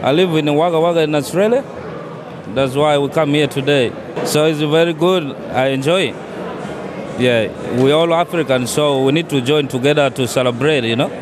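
A man's voice: on the high side, normal speed, a crowd in the background. A man from Sudan, speaking as a festival visitor. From South Sudan. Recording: noisy outdoor street.

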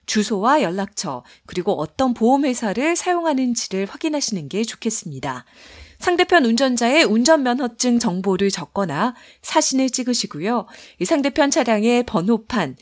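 A woman hosting a language lesson, giving scripted broadcast narration in a polite, explanatory presenter's voice. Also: on the high side. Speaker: lesson host. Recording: faint background music.

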